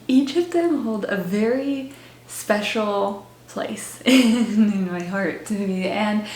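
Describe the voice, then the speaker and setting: A woman's voice: medium pitch, reverberant. A young woman vlogging in casual talk to camera, bubbly and chatty, with little laughs between her words and lots of "like" fillers. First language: English. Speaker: language-learning vlogger.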